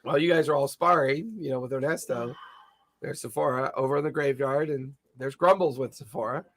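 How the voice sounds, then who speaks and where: A man's voice: mid-range voice, brisk. A man narrating an improvised tabletop game as game master.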